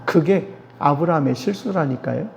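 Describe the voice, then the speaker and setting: A middle-aged man, a theology professor, giving a slow, emphatic lecture-sermon at a church gathering and putting questions to his listeners. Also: a little high, animated, gravelly, slight background noise. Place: church hall. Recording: dull lo-fi sound with long hall reverb.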